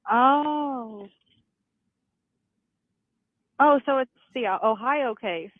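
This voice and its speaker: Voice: mid-range voice, slow pace, a little hiss or hum. A caller to a talk show who speaks hesitantly and stammers, heard over a phone line. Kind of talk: phone call-in.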